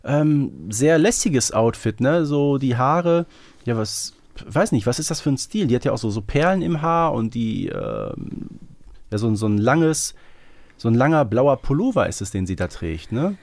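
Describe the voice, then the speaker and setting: Animated man chatting as podcast co-host. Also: mid-range voice, normal speed, gravelly, no room sound. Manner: chatty, hesitant, seeks agreement with question tags. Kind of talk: casual discussion of a children's audio series.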